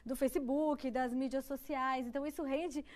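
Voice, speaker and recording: A woman with a Brazilian Portuguese accent hosts a talk show with a high, clear voice. She responds warmly to her guest's points and leads the talk onward with follow-up remarks. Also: fairly even intonation, moderate pace. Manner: engaged, affirming, asks follow-ups. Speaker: host.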